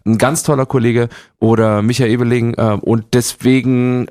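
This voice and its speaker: A young man from Germany talking quickly as an interview guest, rambling with many restarts. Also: mid-range voice, level tone, darkish tone. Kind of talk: casual interview chat.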